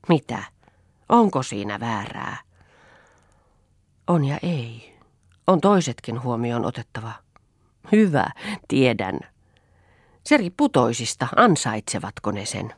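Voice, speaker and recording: A woman's voice: extremely low pitch, creaky, husky, no echo, studio quality, exaggerated voice. A woman reading as a defiant headstrong young woman. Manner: challenging, rhetorical, mocking.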